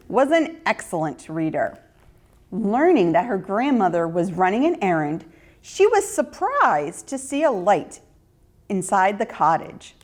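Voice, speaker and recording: A woman reading a children's story in an expressive, deliberate narrating style. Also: medium pitch.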